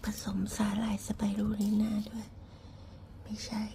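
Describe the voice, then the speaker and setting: Casting: woman for hushed, quiet-at-night ASMR eating commentary, soft breathy whisper, dark gentle tone, some background hiss. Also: moderate pace. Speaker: ASMR eating show host.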